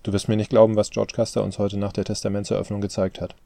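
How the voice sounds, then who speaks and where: A mocking older father from an audiobook, dry and teasing, voiced by a man in a low, gravelly tone. His voice sounds dark and close, with no room around it. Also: level tone, quick pace, no echo. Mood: wry. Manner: dry, mocking, asks questions back. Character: wry teasing older father who smokes cigars.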